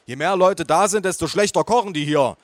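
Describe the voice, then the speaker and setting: A stubborn, charming old grandfather with dementia, as a male audiobook reader plays him. He sounds lively and teasing, pitched noticeably higher and pushed louder than the narration. The recording is close and dry. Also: fairly quick, no room sound, close to an everyday voice. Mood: grumbling. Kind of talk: audiobook character voice.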